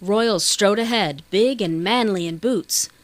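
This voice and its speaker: Female audiobook narrator, mid-pitched voice, scripted storybook read, close dry sound. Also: a little slow, dry recording.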